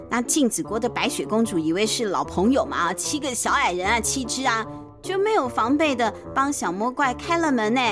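High-pitched Taiwanese woman telling bedtime stories. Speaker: children's storyteller, podcast host. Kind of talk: expressive bedtime story narration with playful asides. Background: clear background music.

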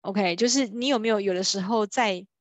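A woman from Taiwan discusses a sales book in a casual lecture style, acting out quoted people and sprinkling in fillers like 哈 and 哦. She's a book-sharing speaker on B2B sales, chatty and brisk, with a mid-range voice in a dry recording.

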